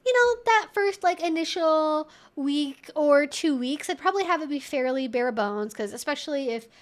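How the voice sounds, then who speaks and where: Female Q&A host, high voice, casual conversational delivery, rambling and informal. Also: lively intonation, normal speed. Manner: chatty and informal, rambling with frequent asides. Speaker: livestream host and relationship educator answering viewer questions.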